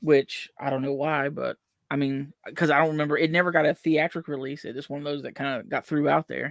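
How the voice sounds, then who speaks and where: A fairly high-pitched man with a Southern US accent talks at a fairly quick pace in a monotone, flat intonation. The recording is dry and close with no echo against a quiet background. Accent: Southern country. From West Virginia. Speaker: movie discussion podcaster. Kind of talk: casual chat.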